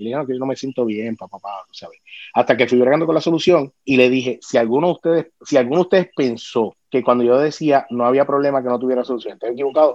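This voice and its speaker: A man with a medium pitch talks at a very fast pace with hardly any pauses, ordinary pitch variation and big swings in loudness, in a dry, close sound with no echo. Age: 40s. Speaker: father sharing life story. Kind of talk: interview testimony.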